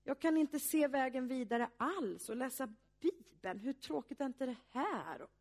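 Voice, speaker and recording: A woman pastor giving a sermon, speaking earnestly and reflectively with pauses. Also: high-pitched, expressive, darkish tone.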